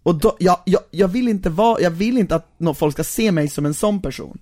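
A young man co-hosting a podcast, chatting casually and getting worked up as he tells stories. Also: high-pitched. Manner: animated storyteller, gets worked up. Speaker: podcast co-host. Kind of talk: casual chat.

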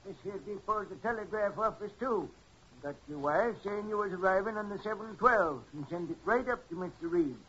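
An actor playing a folksy railway station master with a rural American accent and plain country talk, in 1940s radio style. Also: male voice, high voice, a little fast, a bit bright, a little hiss or hum. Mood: matter-of-fact. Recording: muffled 1940s radio recording.

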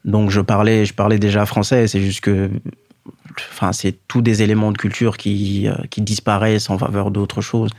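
A man in his thirties from Guinea, a native Fula speaker, telling his own story as an interview guest in a measured way with many pauses and fillers. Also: on the low side, monotone, a little mellow, no room sound, clean studio sound. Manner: measured, pausing often with fillers. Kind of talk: reflective personal storytelling.

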